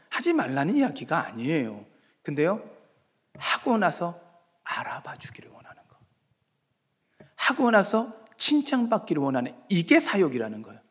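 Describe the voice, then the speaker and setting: A male pastor giving a sermon, moving between hushed asides and loud, emphatic exhortation, now and then acting out his listeners in dialogue. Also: fairly high pitch, husky. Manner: acts out congregants' voices in dialogue. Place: church sanctuary. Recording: long reverb of a church sanctuary.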